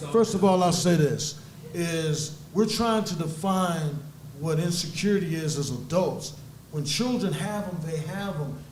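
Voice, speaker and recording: Noticeable background noise and audible room echo surround the recording. The speech runs at a fairly slow pace. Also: man, high pitch for a man, ordinary pitch variation. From grew up all over the world, military base childhood. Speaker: talk show co-host. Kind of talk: heated debate. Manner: animated.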